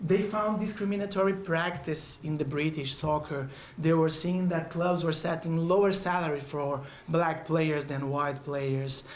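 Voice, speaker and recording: A man speaks at a fairly slow pace with fairly even intonation and a fairly high pitch. Noticeable background noise and audible room echo surround his voice. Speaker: university lecturer. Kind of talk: lecture.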